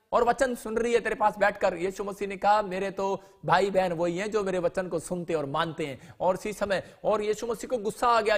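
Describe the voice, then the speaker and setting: A man's voice: high-pitched, fairly bright tone. A man preaching a live sermon as a preacher, emphatic and repetitive, mixing in humor. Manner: emphatic, repeats phrases, mixes in humor.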